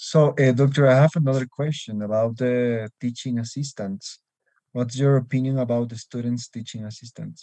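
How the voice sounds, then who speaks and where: A man with a Spanish accent, dark and mellow in tone, at a moderate pace with fairly even intonation, recorded dry with no echo against a quiet background. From Peru. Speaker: student society president, moderator; moderator. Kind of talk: moderating online Q&A. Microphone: video call.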